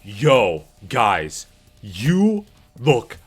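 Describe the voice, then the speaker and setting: A man streaming casual reaction commentary to viewers, animated and slangy, swearing freely. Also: mid-range voice, extremely slow, faint music behind. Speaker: streamer reacting to game cutscenes.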